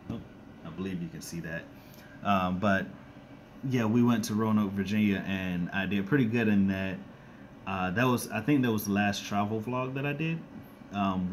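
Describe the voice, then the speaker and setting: Casting: man, very low pitch, raspy and monotone from a cold, halting casual streamer talk, faint background hiss. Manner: halting, many ums and restarts. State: scratchy throat from a cold. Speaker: YouTuber doing a live stream. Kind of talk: casual live-stream chat. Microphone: close to the screen and device.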